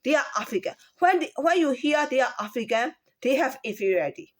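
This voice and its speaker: Speaking in an expressive, fairly high voice with a Chinese accent, a woman who once worked at a store tells the personal story of a complaint at her job. Her delivery halts and restarts, words repeat, and she keeps breaking off to pose rhetorical questions.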